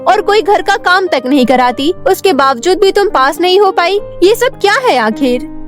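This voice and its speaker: Scolding mother played by a woman, very high voice, reproachful, cartoon story with faint music. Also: expressive, normal speed. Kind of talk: cartoon fairy-tale character acting.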